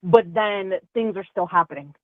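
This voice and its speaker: A woman's voice: medium pitch, normal speed. A woman calling in to a talk show, speaking casually and hesitantly, often restarting her sentences. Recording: narrow phone line.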